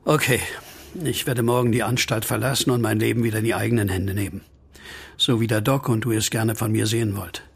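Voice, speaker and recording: Troubled widower for horror audio drama: low, gravelly, brooding, heavy-hearted. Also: male voice, fairly even intonation, brisk. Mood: resigned, sincere. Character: troubled, grieving widower just released from asylum. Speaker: lead actor and first-person narrator.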